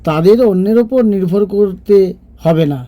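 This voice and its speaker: A man acts out a fair-minded storybook king in a cartoon. His voice sits quite high for a male, yet it is soft and warm. He reasons things through with measured, thoughtful care. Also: close to an everyday voice. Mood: firm, confident.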